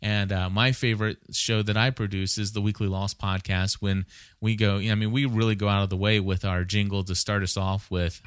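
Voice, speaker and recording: A man with a smooth, fairly low voice talks casually as a podcast host. His delivery is conversational and a little rambling, as if thinking aloud, and the sound is dry and close. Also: flat delivery, moderate pace, no echo. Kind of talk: casual unscripted podcast advice.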